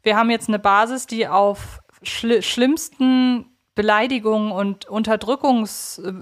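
A woman's voice: on the high side, steady tone, measured pace. A woman hosting a podcast, giving conversational commentary. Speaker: podcast host.

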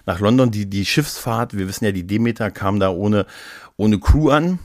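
A man's voice: fairly low pitch, moderate pace, no room sound, clean studio sound. A middle-aged man chatting casually as a podcast co-host, retelling things in a rambling, playful way with repeated words. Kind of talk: casual conversational storytelling.

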